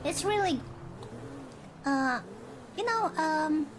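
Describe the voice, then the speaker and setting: High-voiced young woman, slow halting chat. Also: lively intonation, background noise. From Indonesia. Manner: halting, searching for words, giggly. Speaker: virtual streamer. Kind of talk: casual chat while gaming.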